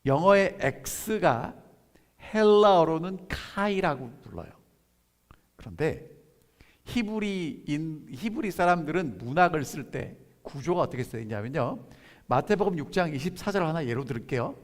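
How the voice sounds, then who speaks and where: A pastor preaching a sermon, who keeps asking the congregation questions and then answers them, and reads scripture slowly and softly. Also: male voice, a little high, lively intonation. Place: church sanctuary. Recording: long church hall reverb.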